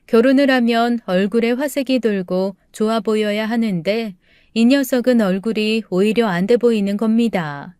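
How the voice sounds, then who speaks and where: A woman reads a first-person story in a calm, steady way. Her voice sits a little high and sounds smooth and clear, recorded dry and close with no room sound. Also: normal speed, no room sound. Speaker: story narrator.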